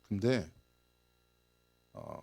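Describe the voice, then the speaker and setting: A man's voice: extremely slow, dry recording. A male pastor preaching a sermon in a storytelling way, chuckling often and acting out the people in his anecdotes. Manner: lively anecdotes, chuckles often, acts out quoted lines. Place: church service.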